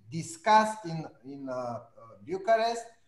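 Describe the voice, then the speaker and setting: With a Romanian accent, a man speaks at a very slow pace amid audible room echo. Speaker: university rector; conference panelist. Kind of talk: panel discussion. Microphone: video call.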